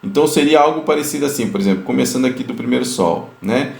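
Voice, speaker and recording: A music teacher talks through a lesson in a gravelly, fry-tinged voice, tagging his points with quick checks to his students. His words carry a noticeable echo from the room around him. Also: mid-range voice, lively intonation, a little mellow. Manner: explanatory, many fillers, sings note examples.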